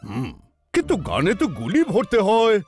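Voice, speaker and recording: A fussy cartoon police inspector, impatient and quick to take alarm. The voice is very high and animated, with music underneath. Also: male voice, exaggerated voice.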